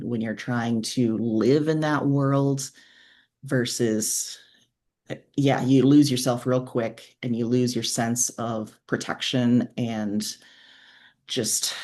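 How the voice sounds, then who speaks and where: A woman's voice: extremely low pitch, warm tone. A woman in her forties talks as a guest author in a candid interview. Her delivery is reflective and frank, like someone thinking aloud in conversation. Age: 40s.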